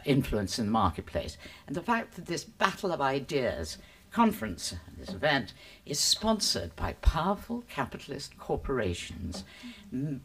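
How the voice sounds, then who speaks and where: Deep-voiced older woman, sardonic. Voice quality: deep smoky voice. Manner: witty, sardonic, theatrical. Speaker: panelist. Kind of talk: public debate speech. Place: conference hall.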